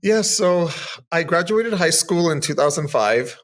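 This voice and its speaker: A man's voice: a little high, animated, unhurried. A man in his thirties from Southern California, chatting upbeat as a podcast guest, full of casual fillers. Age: 30s. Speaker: guest, makeup artist. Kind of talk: casual interview chat.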